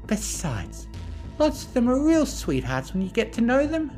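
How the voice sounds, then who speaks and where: A performer voicing a gentle, protective young female pegasus who is earnest and quick to chide. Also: medium pitch, very animated, soft background music, voice pushed up, close to an everyday voice. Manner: soft-hearted, earnest, chiding.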